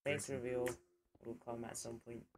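A man streaming a game, speaking through a voice changer in a quiet, offhand, casual way while chatting. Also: mid-range voice, flat delivery, moderate pace, noisy background. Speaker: gaming streamer. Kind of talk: casual gameplay chat.

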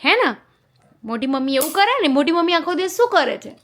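A woman's voice: sits high, sing-song, fast talker, fairly bright tone, a little hiss or hum. A young woman who is a mother, chatting playfully at home and coaxing her toddler in a sing-song baby-talk manner. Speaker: mother and family vlogger. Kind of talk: casual family chat with a toddler.

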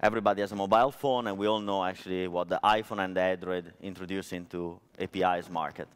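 A man's voice: deep voice, fairly even intonation, quick pace, smooth. A man in his thirties from Italy with an Italian accent, giving a chatty technical conference talk on stage with lots of fillers, on a headset mic. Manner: chatty, storytelling, frequent fillers. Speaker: conference speaker. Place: large conference hall stage.

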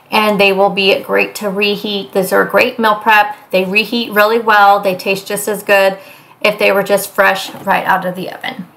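A woman's voice: mid-range voice, fairly bright tone, rough recording. A woman chatting casually through a meal prep video in her home kitchen, rambling with fillers. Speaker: cooking vlogger.

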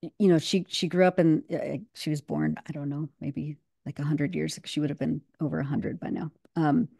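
Woman in her 30s, low mellow voice, dry close sound, talks with emphasis and lots of ums on a call. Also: fairly even intonation, normal speed, gravelly, slightly rough, no room sound. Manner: fluent and emphatic, with many fillers. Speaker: guest commentator. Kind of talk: casual video-call discussion. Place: home room on a video call.

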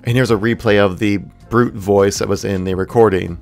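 A man's voice: lowish voice, steady tone, normal speed, gravelly, music in the background. A man hosting a gaming channel, giving news commentary in an enthusiastic, informal way.

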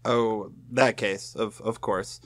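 A man's voice: on the low side, steady tone, slow pace, a bit bright, no echo, heavily acted. A man playing a hesitant, polite veteran FBI agent in an audio drama.

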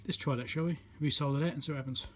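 A man's voice: on the high side, fairly even intonation, racing, background noise. A man giving casual commentary as he repairs electronics, thinking aloud as he works at a workbench. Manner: muttering, thinking aloud while working.

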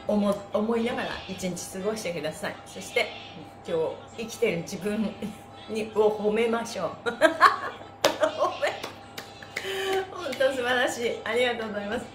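A woman's voice: medium pitch, lively intonation, normal speed. A middle-aged woman hosting a live stretch class, chatting and instructing in a cheerful, playful, exclamatory way. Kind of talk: live-streamed exercise class and chatty announcements. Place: small bare indoor room with wooden floor. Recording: echoey room with music behind.

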